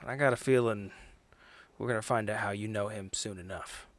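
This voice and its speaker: A man's voice: fairly low pitch, normal speed, no echo, pitched below the performer's own voice, lightly acted. Man playing a wry, laid-back old adventurer.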